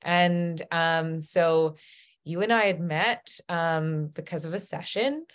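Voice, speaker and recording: A woman's voice: lowish voice, slow pace, clear, resonant tone. Gushing, teary woman podcast host. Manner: emotional, gushing, many ums and uhs. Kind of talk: casual chat.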